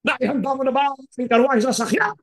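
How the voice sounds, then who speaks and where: Imperious radio-drama king, pitched up. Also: brisk. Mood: imperious, shouting. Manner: loud, declamatory radio drama delivery. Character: imperious king calling for his royal carriage.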